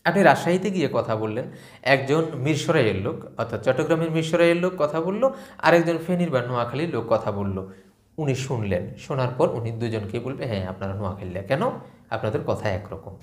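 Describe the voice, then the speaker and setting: A man from southeastern Bangladesh teaching viewers, his pitch rising and falling freely as he explains sounds step by step. He chuckles now and then at his own jokes. The room has a noticeable echo. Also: expressive, a little fast. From Feni, greater Noakhali, Bangladesh. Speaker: video lecturer. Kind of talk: explanatory talk to camera.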